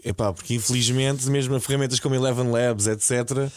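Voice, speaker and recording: Podcast co-host, man, European Portuguese accent, casual and rapid, dry close sound. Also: medium pitch, steady tone, darkish tone, no echo. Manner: informal, colloquial. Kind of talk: casual chat.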